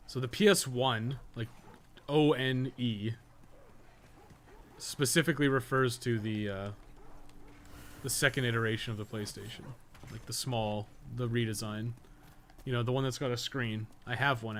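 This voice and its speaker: A gaming streamer who also co-hosts a podcast rambles casually while playing on a live stream, swearing frequently. His voice is medium-pitched and a little bright.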